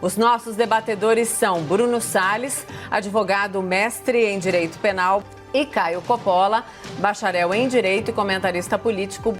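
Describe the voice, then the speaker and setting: A woman's voice: medium pitch, steady tone, moderate pace, soft background music. A Brazilian woman presenting formally in broadcast style, as the host of a television debate.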